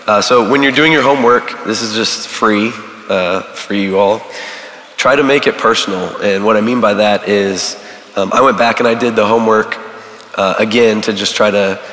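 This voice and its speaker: A man, a church volunteer giving a casual teaching to a recovery group, halting with many fillers while he is losing his voice. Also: on the low side, fairly bright tone. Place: large church hall. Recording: echoey hall with long reverb.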